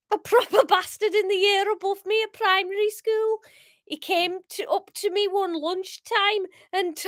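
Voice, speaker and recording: A woman's voice: extremely high pitch, fairly bright tone, dry recording, clean studio sound, voice pushed up. A woman voicing an earnest, defiant man from a story declaiming long-winded last words in an attempted Scouse accent. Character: earnest, defiant male captive giving melodramatic last words.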